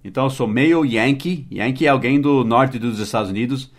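A man with an ordinary mid-pitched voice hosts a relaxed English lesson podcast. He explains patiently, repeats key words and spells them out letter by letter for his listeners. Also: fairly quick. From United States and Brazil. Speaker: English teacher and podcast host. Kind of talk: casual spoken English lesson.

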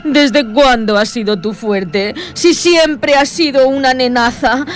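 An actress playing a haughty, scheming seance medium in a dramatic, theatrical comedy-drama manner. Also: female voice, sits high, slow. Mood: scornful, mocking. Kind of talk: scripted comedy-drama acting.

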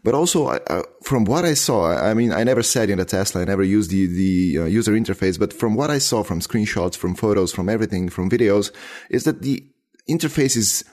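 A man speaking English as a second language, hosting a casual tech chat and pausing often with fillers. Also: on the low side, expressive, a little mellow. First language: not English. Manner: hesitant, many filler pauses.

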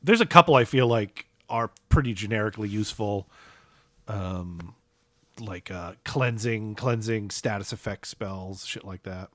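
A man's voice: on the low side, unhurried, fairly bright tone, dry recording. A man from New Hampshire co-hosting a podcast, laid-back and laughing often, with a slightly stuffy nose. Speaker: podcast co-host. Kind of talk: casual chat about games.

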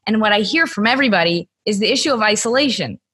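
A woman hosting a podcast, asking thoughtful, measured questions of her guest. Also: mid-range voice, expressive, fairly bright tone, slightly rough. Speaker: podcast host. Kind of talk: interview questioning.

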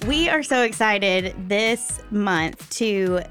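A woman's voice: mid-range voice, lively intonation, slow pace, over music. A woman co-hosting a podcast in casual conversation. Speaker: podcast co-host.

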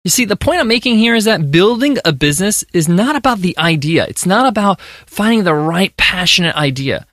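A man's voice: high-pitched, animated, fairly quick, fairly bright tone, dry recording, clean studio sound. An American man hosting a podcast, giving an earnest, emphatic monologue of business advice. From United States. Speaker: podcast host.

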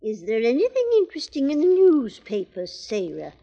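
A genteel, sweetly sinister lady; lilting, mellow, old radio play. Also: on the high side, very animated, moderate pace, gravelly, full character voice. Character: eerie genteel older woman plotting deaths. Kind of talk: 1940s radio drama acting. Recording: dull old radio recording.

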